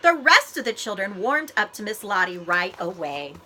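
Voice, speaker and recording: A librarian with a mid-range voice reads a children's storybook aloud, phrasing things expressively and deliberately for young listeners. There is heavy noise in the background.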